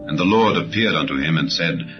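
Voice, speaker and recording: Deep-voiced man solemnly narrating scripture. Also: animated, brisk. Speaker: audiobook narrator. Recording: slightly dull audio under clear music. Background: background music.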